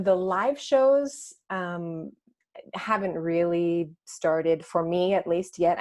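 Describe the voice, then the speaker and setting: A woman's voice: low voice, a little mellow, no echo. An American woman in her thirties, a jazz singer speaking thoughtfully as an interview guest, with many fillers and restarts. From United States. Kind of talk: casual interview chat.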